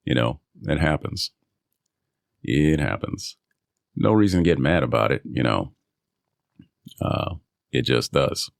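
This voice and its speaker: Very deep gravelly man, dry close mic. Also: slow, long pauses, dry recording. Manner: rambling, relaxed, with self-amused laughs. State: recovering from a cold. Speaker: voice actor. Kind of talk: casual solo vlog. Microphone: studio microphone.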